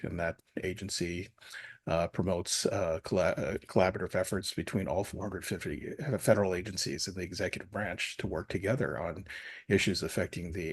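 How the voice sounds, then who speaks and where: A man's voice: deep voice, husky, dry recording. A man in his fifties from China, a guest speaker introducing himself hesitantly with many fillers. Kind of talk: self-introduction in an online talk.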